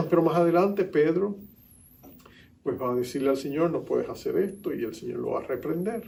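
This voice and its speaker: A man's voice: on the high side, lively intonation, moderate pace, gravelly, darkish tone. A male pastor preaching an earnest sermon in church, acting out the figures he quotes.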